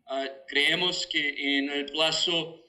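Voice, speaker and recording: Male interviewee, Brazilian accent, native Portuguese, Spanish-Portuguese mix, searching for words, sharp and fairly high voice. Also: fairly even intonation, takes it slowly. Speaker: telecom regulator, interview guest. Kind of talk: formal studio interview.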